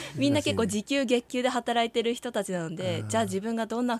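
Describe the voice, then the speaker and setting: A woman at a fairly quick pace with lively intonation. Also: dry, close sound with no echo. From Hokkaido, Japan (Obihiro). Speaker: nonprofit founder and director in medical welfare support. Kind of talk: interview. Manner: hesitant, many fillers.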